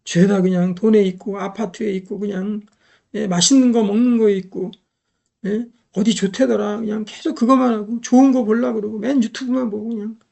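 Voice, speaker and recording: A woman's voice: medium pitch, fairly even intonation, brisk, creaky, mellow. A middle-aged woman preaching a sermon, emphatic, repeating key phrases and putting rhetorical questions to the congregation.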